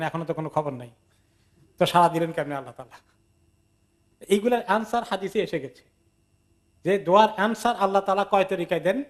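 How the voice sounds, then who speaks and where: Guy, kinda high voice, chatty quran lecture, acts out the stories. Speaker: Islamic teacher giving Quran tafsir. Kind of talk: sermon-style lecture with acted anecdotes.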